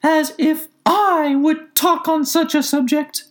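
A woman voicing a small, frightened, indignant storybook mouse in a shrill, trembling voice with drawn-out, passionate delivery. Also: steady tone. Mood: offended, trembling.

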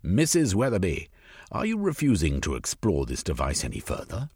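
A man's voice: sits low, huge pitch swings, normal speed, a little mellow, slightly rough, dry recording, clean studio sound, exaggerated voice. A man reader voicing a cold, commanding government agent who gives clipped, stern orders. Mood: threatening.

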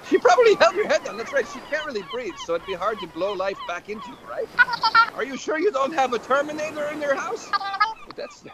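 An extremely high, wildly animated skeleton dad hosts a comedy skit. He rambles on in a scatterbrained, excitable way, repeating himself and checking in with "right?" over a clearly noisy background. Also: brisk, exaggerated voice. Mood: excited, nosy. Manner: rambling, repeats phrases, tags sentences with "right?". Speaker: show host. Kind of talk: improvised comedy skit banter.

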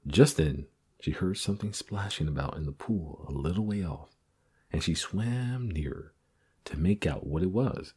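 A man narrating a storybook in a gentle, measured way. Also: low-pitched, lively intonation, slightly rough. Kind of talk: storybook reading.

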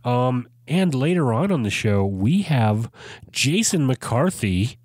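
A man's voice: mid-range voice, big pitch swings, slow pace, darkish tone, no echo. A man hosting a podcast in casual chat, stuffed up from a cold and laughing easily. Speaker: podcast host.

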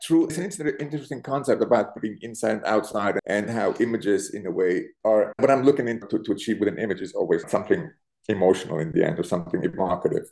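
A man's voice: fairly low pitch, fast, creaky, darkish tone, low-quality recording. A middle-aged Swiss-born man who grew up speaking Italian and German, giving thoughtful interview answers as a cinematographer and often restarting as he searches for words. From Switzerland.

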